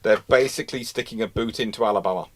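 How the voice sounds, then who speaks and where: A man's voice: fairly low pitch, quick pace. A man talking casually as host of a live history discussion, rambling and often restarting his phrases. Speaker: host answering naval history questions.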